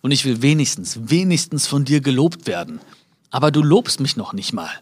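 A man giving a live motivational talk. He speaks to his listeners directly, acts out little dialogues and jumps high in pitch to stress a point. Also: very animated, moderate pace, darkish tone, husky. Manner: many fillers and restarts, acts out small dialogues.

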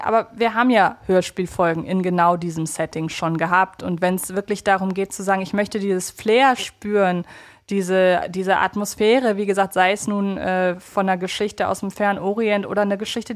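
Female podcast co-host, medium pitch, conversational, reflective, qualifies what she says.

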